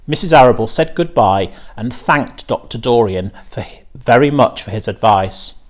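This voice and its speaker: A man's voice: medium pitch, animated, moderate pace. A man reading a children's story aloud as a narrator, in the manner of a teacher.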